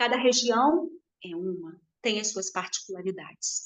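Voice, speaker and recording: A woman with lively intonation. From Rio de Janeiro, Brazil. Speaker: Portuguese teacher. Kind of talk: interview answer.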